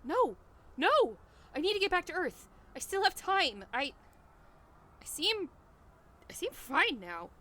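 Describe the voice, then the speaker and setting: A woman's voice: very high-pitched, very animated, measured pace, pauses often, bright, forceful tone, heavily acted. A woman playing a frantic, brash, rambling newcomer stranded in hell in a comedic audio drama. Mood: panicked, confused.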